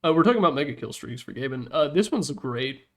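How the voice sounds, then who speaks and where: A man's voice: medium pitch, animated, quick pace, fairly bright tone. A man giving casual, opinionated commentary in an informal, blunt way, as a gaming content creator.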